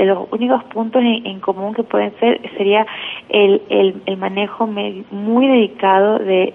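A woman's voice: medium pitch, vocal fry. A woman from Ecuador giving conversational interview answers, talkative and repeating words as she searches for phrasing. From Guayaquil, Ecuador. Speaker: interview guest, journalist. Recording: tinny phone-like line, faint noise.

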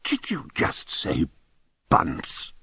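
A man's voice: fairly low pitch, sing-song, measured pace, fairly bright tone, no room sound, clean studio sound, exaggerated voice. A man voicing an exasperated, sarcastic, pompous old-school schoolmaster with an English accent in an audiobook. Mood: stunned disbelief.

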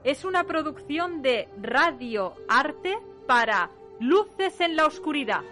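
High, slow female credits announcer. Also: expressive. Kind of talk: reading radio drama credits. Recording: distant voice over music. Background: music.

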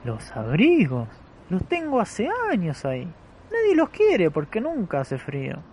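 A man's voice: high voice, unhurried, a little hiss or hum, heavily acted. Man acting a swooping, chummy Argentine fairground trader. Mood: doubtful, obliging. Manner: chummy, colloquial, expressive. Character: friendly, grateful male travelling fairground trader. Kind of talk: radio play acting.

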